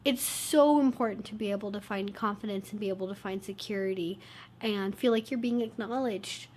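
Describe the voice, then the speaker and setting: A woman's voice: mid-range voice, fairly quick, darkish tone, a little hiss or hum. A woman hosting her own channel, talking casually to camera with a congested, stuffed-up nose and little energy. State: low on energy. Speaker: YouTube channel host.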